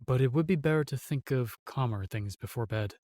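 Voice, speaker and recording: Guy acting as earnest protective knight, formal n courteous, mid pitch, close dry recording, fantasy roleplay. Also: fairly quick, mellow, no room sound, natural voice. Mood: gentle, courteous. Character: gallant, protective male knight, earnest and reserved.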